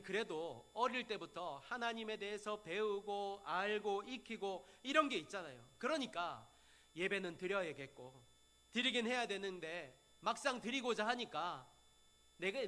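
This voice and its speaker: Bright, lively-pitched Korean man preaching. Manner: emphatic preaching, repeats key phrases for emphasis. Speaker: pastor. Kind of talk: sermon.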